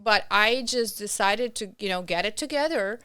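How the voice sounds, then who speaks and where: A woman in her thirties with a Russian accent, talking earnestly and haltingly as a podcast guest. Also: medium pitch, lively intonation, bright, forceful tone, clean tone, dry recording. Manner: earnest, halting, with restarts and non-native grammar. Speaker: podcast guest, nonprofit founder. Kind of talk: conversational interview.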